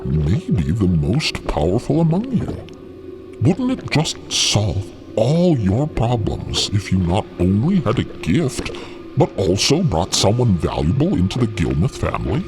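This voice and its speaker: A man's voice: lowish voice, wildly swooping pitch, a little slow, music in the background, full character voice, low-quality recording. A man playing a smug, manipulative and condescending schemer in an audio drama, with theatrical, needling delivery. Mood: insinuating. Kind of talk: dramatic audio fiction acting.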